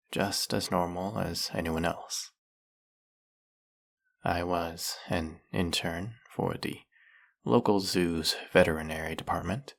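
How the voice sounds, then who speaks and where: An actor playing a snake-headed male villain in an audio roleplay, speaking in a soft, formal, measured way. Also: low-pitched, gravelly, heavily acted.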